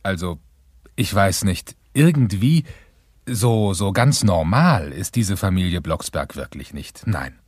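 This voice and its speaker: A wry, bemused storybook narrator, very low and husky. He confides in the listener with halting, drily mocking asides, as in an old children's radio play. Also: expressive, a little mellow, no echo, clean studio sound, heavily acted. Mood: bemused, confiding.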